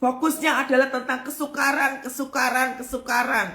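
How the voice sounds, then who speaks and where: A woman's voice: sits high, normal speed, reverberant. A woman preaching a devotional sermon, acting out people's complaints in a raised voice. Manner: animated, acts out complaints in a raised voice.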